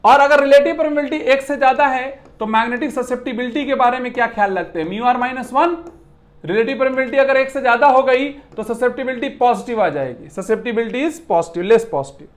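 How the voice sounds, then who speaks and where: Animated physics teacher with playful rhetorical questions. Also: medium pitch, a little fast. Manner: animated, repeats points with rhetorical questions and playful classroom analogies; mixes English technical terms into Hindi speech. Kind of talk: classroom lecture explaining.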